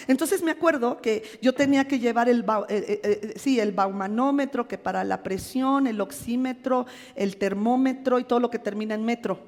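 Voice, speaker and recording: A middle-aged woman pastor with a Mexican accent preaches with lively, self-mocking storytelling. Her voice sits high, and a long church-hall reverb trails each phrase. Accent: Mexican Spanish. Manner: animated storytelling with self-deprecating humor. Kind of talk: sermon with personal testimony.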